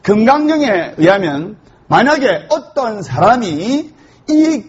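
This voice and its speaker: A male Buddhist monk giving a humorous sermon, telling jokes and stories in an animated way. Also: sits high, slow, breathy edge. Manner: joke-telling, animated storytelling. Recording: dull lo-fi recording.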